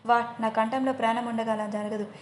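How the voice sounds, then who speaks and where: A woman's voice: mid-range voice, steady tone, brisk, echoey room, slight background noise, lightly acted. A woman voicing a spoiled, jealous young woman who snaps and flares up, in an audio story. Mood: furious. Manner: snappy, dramatic.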